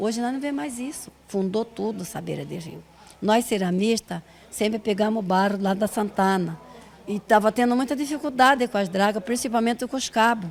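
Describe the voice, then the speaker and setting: Noticeable background noise sits behind this recording. A woman speaks at a fairly high pitch with ordinary pitch variation. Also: moderate pace. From Brazil, Cuiabá region (Mato Grosso). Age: 60s. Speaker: ceramist and community leader. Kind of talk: interview testimony.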